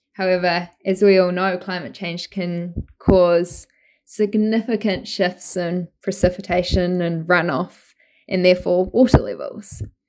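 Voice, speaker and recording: The speaker has a New Zealand accent and a fairly slow pace. Intonation is fairly even while loudness swings a lot. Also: woman, medium pitch for a woman. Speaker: PhD student in atmospheric science. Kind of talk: casual interview explaining research.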